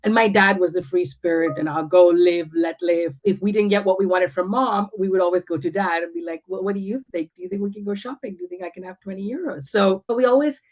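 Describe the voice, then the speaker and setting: A woman from India talks as a podcast guest, in a slightly low voice. She speaks confidently and emphatically, and she often restarts her sentences as she goes. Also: fast talker, few pauses. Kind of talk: casual interview chat.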